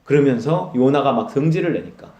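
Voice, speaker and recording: A man's voice: mid-range voice, brisk, roomy sound. A man preaching a Sunday sermon as pastor, telling stories and acting out quoted dialogue, with frequent laughs. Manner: animated storytelling, acts out quoted dialogue, laughs often. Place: church sanctuary.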